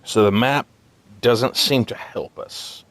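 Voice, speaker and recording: A sleep-deprived man thinking aloud as he plays a puzzle game, muttering haltingly to himself in casual commentary. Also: medium pitch, a bit bright, no echo. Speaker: gaming video host. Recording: music behind the voice. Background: game music.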